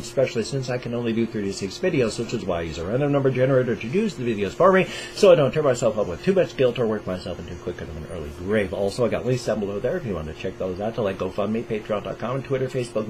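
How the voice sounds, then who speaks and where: Casually talking to his viewers through an over-ear headset, an older man with a Pacific Northwest American accent hosts a reaction video from a small home room. His enthusiastic, deliberately slow speech stays in a higher register with lively pitch swings, and the rough recording has a faint hum underneath.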